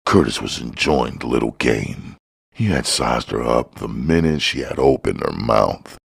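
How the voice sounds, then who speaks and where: Extremely deep, gravelly male narrator. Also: expressive, unhurried. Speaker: audiobook narrator. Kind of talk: scripted narration of a crime novel.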